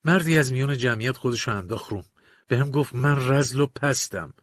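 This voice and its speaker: A man narrating a first-person audiobook in a measured, confessional, colloquial manner, recorded close to a studio mic. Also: medium pitch, no room sound.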